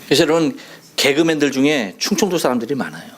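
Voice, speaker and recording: A male pastor with a Chungcheong accent delivers a Sunday sermon, slipping into playful imitations of dialect phrases. His voice sits a little high and swings widely in pitch as he tells his stories. He preaches in a church sanctuary. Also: animated, fast talker, a little hiss or hum. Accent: Chungcheong Korean. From Chungcheong, South Korea. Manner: playful storytelling, mimicking dialect phrases with laughter.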